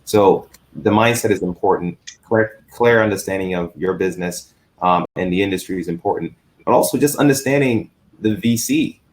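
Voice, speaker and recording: Deep-voiced man with halting speech. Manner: halting, with many restarts. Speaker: venture investor on a panel. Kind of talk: panel discussion.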